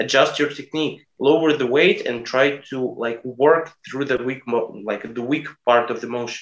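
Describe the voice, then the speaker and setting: A man's medium-pitched voice at a moderate pace, with hardly any pauses and fairly even intonation. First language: not English. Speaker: weighted calisthenics athlete. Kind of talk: interview.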